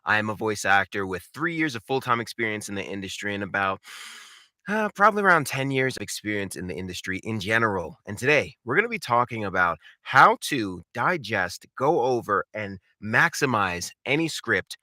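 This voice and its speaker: A man's voice: fairly low pitch, sing-song, moderate pace, bright, forceful tone, no echo. A man giving an instructional talk as a voice acting coach, direct and emphatic, repeating phrases to drive points home. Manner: emphatic, acts out short example lines.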